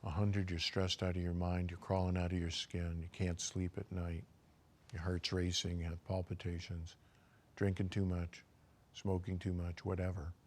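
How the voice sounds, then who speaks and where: Calm low-voiced older male physician. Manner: calm, measured, guides listeners through self-assessment questions. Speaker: physician giving a lecture. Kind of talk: recorded health lecture.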